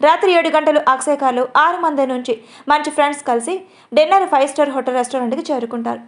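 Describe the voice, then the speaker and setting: A woman narrates a dramatic audio story. Her voice sits high and she reads at a quick, brisk pace. The delivery is steady storytelling.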